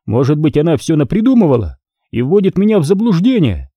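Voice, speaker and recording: Guy doing a mocking mob boss, pitched up, swoopy, barks threats. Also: very animated, fairly quick, slightly rough, no echo, muffled recording. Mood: suspicious. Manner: taunting, barked threats and sly mockery. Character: sneering crime boss, mocking and menacing man.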